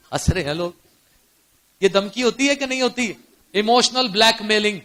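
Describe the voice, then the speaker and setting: A high-pitched man with a Pakistani accent preaches to a church congregation, his voice bright and forceful. He throws rhetorical questions at the listeners and moves between hushed storytelling and loud, ringing exclamations. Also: lively intonation. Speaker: pastor. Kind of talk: sermon. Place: church service before a congregation.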